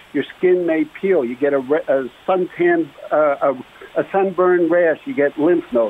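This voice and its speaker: Noticeable background noise behind a voice with an American accent. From US Northeast. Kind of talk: radio call-in. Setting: phone call.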